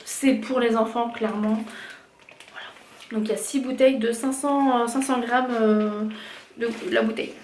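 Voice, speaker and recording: Brief: high-pitched woman from France, casual haul vlogger, talks with fillers, echoey room with faint hiss. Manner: chatty, hesitant with many fillers. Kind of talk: casual product haul chat.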